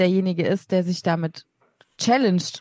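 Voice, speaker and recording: The speech comes at a moderate pace with ordinary pitch variation. The sound is dry and close with no echo, against a quiet background. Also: woman. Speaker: model. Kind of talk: casual chat.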